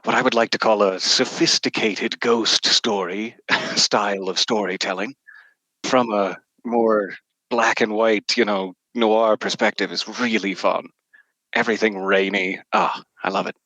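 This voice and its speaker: A man's voice: fairly low pitch, steady tone, a little slow, bright, forceful tone, dry recording, poor audio. A man chatting casually as a voice actor guest on a podcast, with wordy, playfully dramatic phrasing. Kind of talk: casual podcast conversation about audio drama work.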